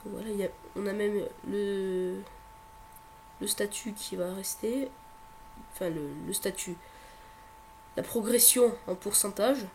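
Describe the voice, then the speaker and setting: A man's voice: high-pitched, fairly even intonation, a little slow, creaky, pauses often. A man with a head cold walks viewers through a computer tutorial. He talks hesitantly, leaning on fillers and restarting his sentences. A faint hum sits under his voice. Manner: hesitant, filler-heavy, repeats words. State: has a cold. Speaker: tutorial presenter. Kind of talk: screen-recording tech tutorial.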